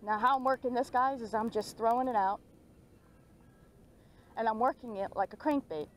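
A young woman chatting excitedly while fishing at a pond, filmed on a head-mounted action camera. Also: a little high, moderate pace, slight background noise. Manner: excited, chatty, laughs often. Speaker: fishing vlogger. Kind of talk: casual commentary while fishing. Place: outdoors at a pond bank.

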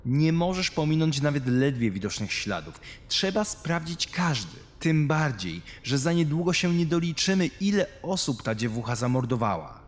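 A man's voice: on the high side, very animated, normal speed, hardly any pauses, in a large hall, pitched above the performer's own voice. A man voicing a sardonic, smoking detective with a mocking, pointed way of talking in a horror story. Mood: mocking, insistent. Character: sardonic smoking male detective on a murder case. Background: music.

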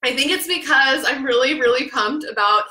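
An excitable woman in her thirties hosts a live podcast from her small home office, her naturally loud voice bright and forceful. She speaks into a studio mic while wearing headphones, and the room adds a noticeable echo. Her pitch sits a little high. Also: normal speed. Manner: hyper, excitable, naturally loud, laughs often. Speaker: podcast host. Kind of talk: energetic live video podcast.

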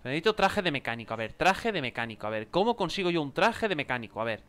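A young Spaniard gives gameplay commentary in a smooth, clear voice that sits fairly high for a man. He talks in a casual, self-mocking way and improvises joking banter with the characters on screen. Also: very animated, fast, a bit bright. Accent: Spain Spanish. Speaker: gameplay video creator.

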